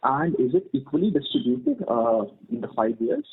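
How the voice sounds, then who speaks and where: Male investor caller, Indian accent, slightly rough voice with lively intonation, polite hesitant questions, thin telephone audio. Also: a little high, normal speed. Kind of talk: earnings call questioning. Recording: muffled narrowband phone line.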